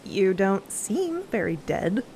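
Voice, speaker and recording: A woman's voice: mid-range voice, big pitch swings, slow pace, warm tone, slight background noise. A woman playing an exasperated, intense female space explorer in an audio drama, blunt and emphatic. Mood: demanding.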